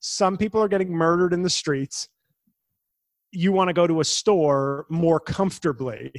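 A man with a New York accent speaks high-pitched at a moderate pace, with ordinary pitch variation and very even loudness. The sound is dry and close with no echo. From New York City, the Bronx. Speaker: comedian and impressionist. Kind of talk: casual chat.

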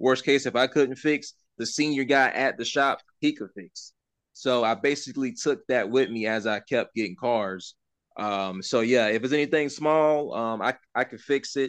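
Against a quiet background, a man with an unremarkable speaking voice talks at a moderate pace, medium pitch and ordinary pitch variation. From US South, South Carolina. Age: 30s. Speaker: hip-hop artist. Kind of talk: casual interview.

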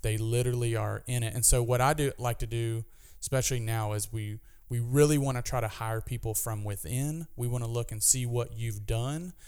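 This man has a normal speaking voice and an American accent. He talks at a fairly quick pace with fairly even intonation. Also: medium pitch for a man. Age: 30s. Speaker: pastor. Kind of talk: interview.

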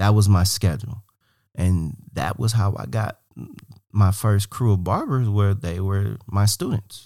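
An ordinary speaking voice, a man's with an American accent, comes at fairly low pitch, a fairly slow pace and ordinary pitch variation in a very clean recording with a silent background. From US Midwest, Cleveland, Ohio. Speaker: barbershop owner. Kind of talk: interview conversation.

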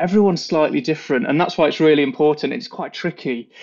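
A man with a British accent talks at a very fast pace. His intonation is lively. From UK. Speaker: hospital pharmacist researcher. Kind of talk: interview.

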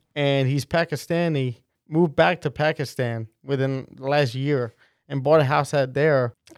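The speaker has a New Jersey accent and a moderate pace with fairly even intonation. The sound is dry and close, with no echo. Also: man, fairly high pitch for a man. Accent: New Jersey American. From US Northeast, New Jersey. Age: 20s. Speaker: first-time home buyer, currency trader. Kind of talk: casual interview chat.

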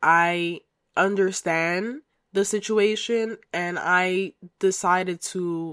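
On a very clean recording with a silent background, a speaker with an American accent talks with fairly even intonation. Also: woman. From US, Dominican family. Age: 20s. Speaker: podcast host. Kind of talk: solo podcast monologue, personal storytelling. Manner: casual, conversational.

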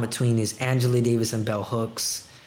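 Over noticeable background noise, the words come at a moderate pace in an American accent. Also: man. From New York. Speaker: artist and educator. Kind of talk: casual interview chat.

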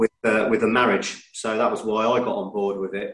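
This man talks at a moderate pace in a southern English accent, his pitch fairly low. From Sussex, southern England. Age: 40s. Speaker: military veteran, coaching client. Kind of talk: personal testimony.

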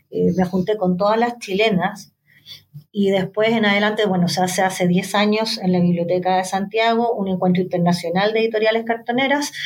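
Here a woman speaks at a medium pitch with fairly even intonation. Her pace is fairly quick. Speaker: independent publisher and librarian. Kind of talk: interview.

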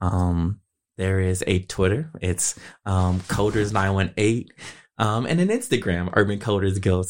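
An ordinary speaking voice, a man with an American accent, with very even loudness and fairly even intonation, in a very clean recording with a silent background. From Tulsa, Oklahoma. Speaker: nonprofit founder. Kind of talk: interview.

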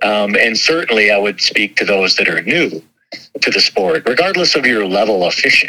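A man's unremarkable speaking voice, fairly low in pitch, at a moderate pace, with lively intonation and very even loudness. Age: 50s. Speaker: fishing industry representative. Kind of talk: casual interview.

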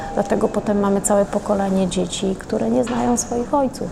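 The speech moves at a fairly quick pace, and noticeable background noise is present. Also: woman. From Poland. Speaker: corporate executive. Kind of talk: interview.

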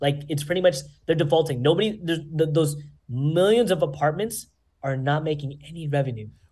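The speech moves at a fairly quick pace with a somewhat breathy quality. Pitch rises and falls in an ordinary way. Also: man. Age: 20s. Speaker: social media news creator. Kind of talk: casual chat.

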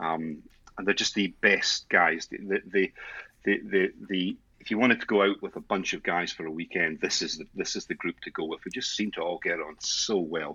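With a strong Edinburgh accent, a man speaks at a moderate pace. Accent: strong Edinburgh Scottish. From Scotland, Edinburgh. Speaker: car photographer and enthusiast. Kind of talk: casual chat.

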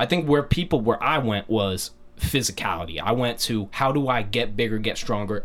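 Moving at a fairly quick pace, a plain, everyday voice speaks with an American accent. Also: man. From New Jersey. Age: 20s. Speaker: podcast host and rapper. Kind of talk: casual interview chat.

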